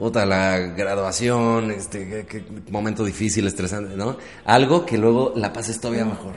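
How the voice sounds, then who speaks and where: A man talks with fairly even intonation, with audible room echo and noticeable background noise around him. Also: moderate pace. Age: 30s. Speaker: comedian and podcast co-host. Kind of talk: casual chat. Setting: roof garden with echo.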